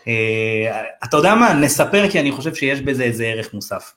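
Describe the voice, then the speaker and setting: A man from Israel's Ethiopian community, a real estate advisor, telling a story in a loose, slangy, animated way and acting out the dialogue. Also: mid-range voice. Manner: animated, acts out quoted dialogue in raised voices; loose, slangy, addresses listener as bro. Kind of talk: casual storytelling in a podcast interview.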